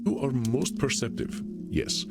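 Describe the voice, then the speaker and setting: An actor playing a courtly old vampire therapist in a video game, formal, deliberate and gently probing. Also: male voice, mid-range voice, expressive, vocal fry, loud music behind the voice. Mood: calm, probing. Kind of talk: video game character dialogue.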